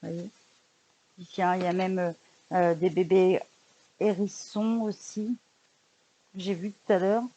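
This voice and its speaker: A woman's voice: lowish voice, little pitch movement, unhurried, long pauses, dark tone. A woman vlogger in casual chat, showing books she bought, hesitant with frequent fillers and restarts, recorded indoors at home. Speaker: vlogger showing a book haul.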